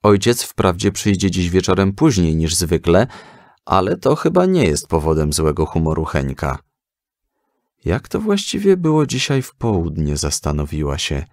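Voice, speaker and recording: A man narrating a scripted children's story as an expressive storyteller. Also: sits low, moderate pace, no room sound, clean studio sound.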